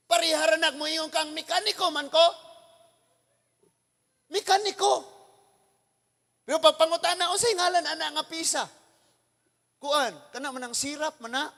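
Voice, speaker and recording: Male pastor from the Philippines, very high and forceful voice, animated sermon, long hall reverb. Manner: animated preaching, mixing in English scripture, bursts of shouting.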